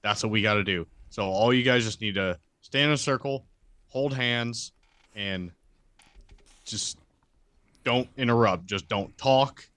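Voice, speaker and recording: A man with a low voice, recorded close and dry, plays a tabletop role-playing game. He speaks casually and matter-of-factly as he lays out what his character says and does. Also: a little slow, long pauses, a bit bright, dry recording.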